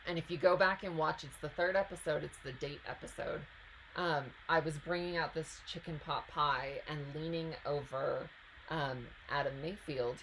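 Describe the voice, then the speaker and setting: A woman's voice: deep voice, a bit bright, slight background noise, rough recording. A woman hosting a live stream, reading out viewer questions and answering them in a chatty, casual way.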